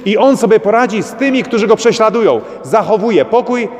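A man's voice: high voice, animated, a little fast. A man preaching a sermon as a priest, urging his listeners with repeated rhetorical questions. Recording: long church reverb.

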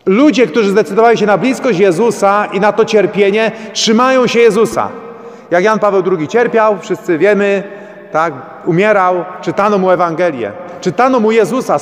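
A man's voice: sits high, normal speed. A man preaching a sermon as a priest, urging his listeners with repeated rhetorical questions. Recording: long church reverb.

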